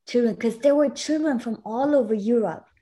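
A woman from Italy whose native language is German appears as a guest educator in a conversational interview, explaining things earnestly and often restarting her sentences. Her voice is a little high and mellow, at a moderate pace.

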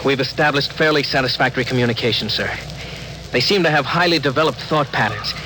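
An actor playing an earnest young male communications officer in a 1950s radio drama, quick and deferential to his captain. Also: mid-range voice, natural voice. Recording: noisy old radio broadcast.

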